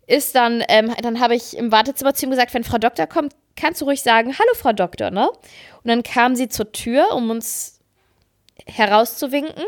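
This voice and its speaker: A woman co-hosting a podcast, chatting casually and telling stories in a lively, self-mocking way. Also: fairly high pitch, moderate pace. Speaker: podcast co-host. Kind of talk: casual chat.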